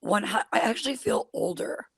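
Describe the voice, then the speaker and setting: Woman, 40s, guest comic. Husky and raspy with vocal fry, self-mocking. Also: a little high, animated, normal speed, no room sound, clean studio sound. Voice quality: super scratchy voice. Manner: self-deprecating, laughs often. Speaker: guest comedian. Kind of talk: casual podcast chat.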